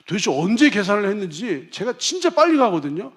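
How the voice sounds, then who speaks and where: Man, high voice, preaching, emphatic, soft-to-loud swings, pastor. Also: sing-song, fairly quick. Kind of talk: sermon.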